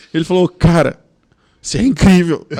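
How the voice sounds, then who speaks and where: A man's voice, high in pitch. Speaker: naturopathic health specialist and pharmacist. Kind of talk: interview storytelling. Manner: repetitive, halting; animated.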